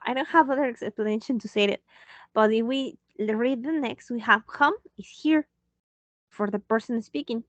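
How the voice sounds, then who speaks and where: Woman teacher, patient, slow, dry muffled sound. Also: a little high, no room sound. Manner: slow, patient, switching into Spanish to explain. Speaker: English teacher. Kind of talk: online English lesson.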